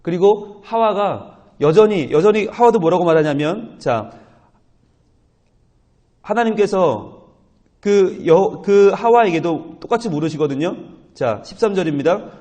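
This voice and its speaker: A male pastor delivers an early-morning sermon in a slightly higher-than-average voice. He keeps putting questions to his listeners, then answers them himself, and he voices the characters' lines. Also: expressive, unhurried, dark tone. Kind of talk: dawn prayer sermon. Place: church.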